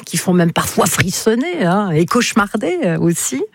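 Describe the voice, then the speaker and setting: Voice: mid-range voice, big pitch swings, moderate pace, gravelly, no room sound. Chatty radio host, dry studio sound. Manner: chatty, many fillers and restarts. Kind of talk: live radio call-in show. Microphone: studio microphone.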